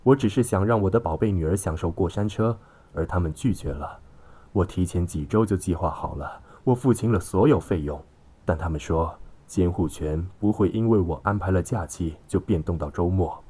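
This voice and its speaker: A man's voice: low-pitched, normal speed, mellow, slightly rough. A man voicing a belligerent, contemptuous middle-aged father in an audiobook story, scolding and sneering. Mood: bitter.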